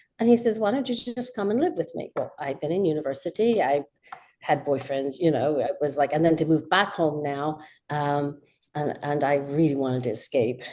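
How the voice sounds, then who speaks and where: Using an American accent, a woman speaks at a moderate pace with lively intonation. Her voice is very deep and low, with a dark, mellow tone. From West Virginia, US. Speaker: podcast guest. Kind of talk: interview.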